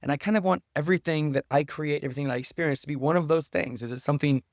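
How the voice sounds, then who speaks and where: A man's voice: a little high, very fast, dry recording, clean studio sound. A man speaking earnestly and thoughtfully as a podcast guest in a reflective interview conversation. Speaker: podcast guest, writer and teacher.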